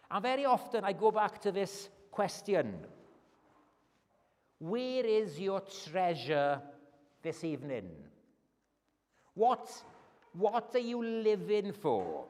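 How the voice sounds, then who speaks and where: A man's voice: high-pitched, warm tone. A man with a Welsh accent preaching an earnest evening sermon in a church as a guest preacher. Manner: earnest, emphatic, rising on key phrases. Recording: long church reverb.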